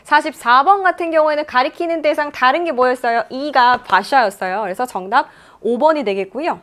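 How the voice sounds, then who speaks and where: A woman English teacher giving a lively exam explanation lecture from a studio, reading English lines slowly and explaining them in Korean. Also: high voice.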